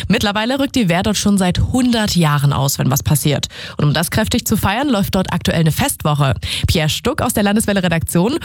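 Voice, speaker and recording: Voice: mid-range voice, no room sound. A radio presenter hosting a regional news show, chatty and upbeat, talking straight to the listeners from the studio. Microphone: studio microphone.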